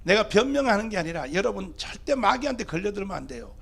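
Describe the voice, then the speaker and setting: A man's voice: high-pitched, very animated, fast talker, gravelly, husky. A male pastor, giving an emphatic political rally speech full of rhetorical questions to the crowd. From Gyeongsang (TK) region of South Korea.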